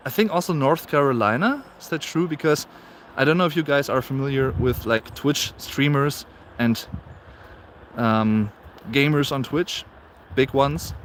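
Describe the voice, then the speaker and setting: A man in his late twenties with a German accent talks easily to his viewers as he walks outdoors, his speech full of fillers and doubled-up words. His voice sits at an average pitch. Faint traffic and outdoor noise hum behind him. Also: a bit bright. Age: 20s. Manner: chatty, reads viewer comments aloud, frequent fillers and repeats. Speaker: live streamer. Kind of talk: casual live-stream chat. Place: outdoors on a snowy walk.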